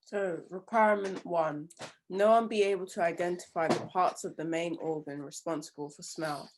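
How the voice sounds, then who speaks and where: A woman assists in a class by reading the questions and passages aloud. Her voice sits fairly low for a woman. There is faint background noise under her voice. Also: steady tone, normal speed, low-quality recording. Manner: reads aloud from a text.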